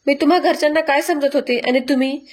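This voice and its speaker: A woman's voice: high voice, steady tone, fast, natural voice. A woman voicing a hurt, defiant young wife refusing to answer.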